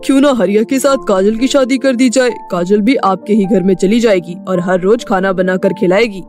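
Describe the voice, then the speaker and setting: A woman's voice: mid-range voice, normal speed, pitched below the performer's own voice, close to an everyday voice. A woman voicing a callous, bossy middle-aged father with a brusque manner in a storybook tale. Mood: hearty, scheming. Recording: music behind the voice.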